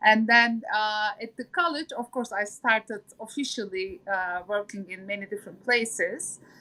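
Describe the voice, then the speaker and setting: In a Turkish accent, a woman speaks at a fairly slow pace with ordinary pitch variation. Her fairly high voice has a bright, sharp tone. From Turkey, Istanbul. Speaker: entrepreneur. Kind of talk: podcast interview. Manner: halting.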